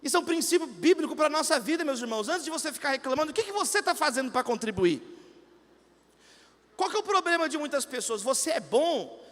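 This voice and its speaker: High-voiced pastor preaching. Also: male voice, big pitch swings, quick pace, a bit bright, long reverb tail. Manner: preaching with emphatic rises, quoting people in dialogue. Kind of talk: sermon.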